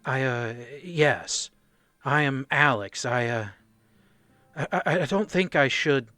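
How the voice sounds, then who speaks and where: A man playing a shaken, nervous mercenary foot soldier who gives halting, stammering testimony in a radio play. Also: mid-range voice, pushed and bright, no echo, faint music behind. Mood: nervous, reluctant. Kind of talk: radio play dramatic monologue.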